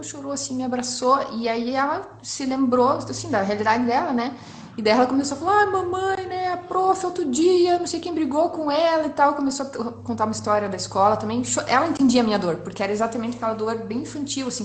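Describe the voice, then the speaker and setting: A woman in her thirties from Brazil, telling a personal story in a casual, emotional way with frequent tag questions. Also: fairly high pitch. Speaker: entrepreneur guest sharing testimony. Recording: roomy echo.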